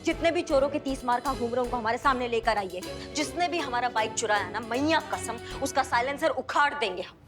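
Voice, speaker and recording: An actress playing a brash, swaggering sub-inspector. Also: female voice, fairly high pitch, expressive, a little fast, hardly any pauses, music in the background, close to an everyday voice. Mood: fiery swagger. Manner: swaggering, threatening, rustic. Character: brash young woman sub-inspector, fiery, boastful. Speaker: sub-inspector Karishma Singh. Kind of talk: TV serial acting.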